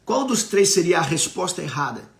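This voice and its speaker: A man's voice: high voice, sing-song, moderate pace, vocal fry, fairly bright tone, echoey room. A man with a Brazilian Portuguese accent preaching on a live stream. He teaches emphatically, asks the audience questions and reads out viewer comments.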